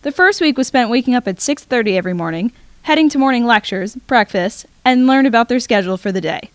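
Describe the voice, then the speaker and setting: Teen girl student reporter, steady scripted narration, slightly high voice, dry close recording. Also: fast talker, dry recording. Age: teens.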